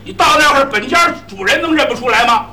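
A man telling a comic story in a crosstalk act, lively and animated, with sudden shouted punchlines. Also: very high voice, fast, far from the mic, noisy background.

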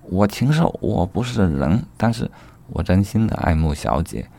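A man's voice: low-pitched, big pitch swings, normal speed, gravelly, mellow, exaggerated voice. A man voicing a bashful young scholar who hesitates and stammers. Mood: remorseful.

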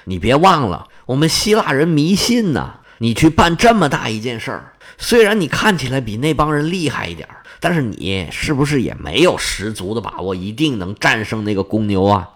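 A man's voice: mid-range voice, very animated, moderate pace, few pauses, fairly bright tone, voice pushed down. A man doing a homely kindly old village woman.

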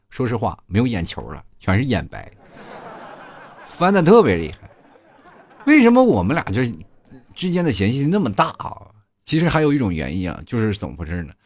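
Lively young man telling comic stories. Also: lowish voice, no echo, studio quality. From Inner Mongolia, China. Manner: chatty, animated, full of asides to listeners. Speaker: comedy podcast host. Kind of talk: comic storytelling monologue.

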